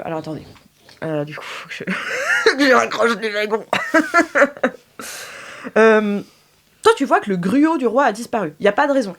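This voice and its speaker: A young woman narrating as game master of an improvised tabletop game, hesitating with fillers and laughing often. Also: fairly high pitch.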